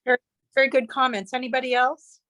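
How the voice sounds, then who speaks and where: A woman chairing a public committee meeting in a polite, brisk, procedural way. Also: sits high, little pitch movement, fairly bright tone.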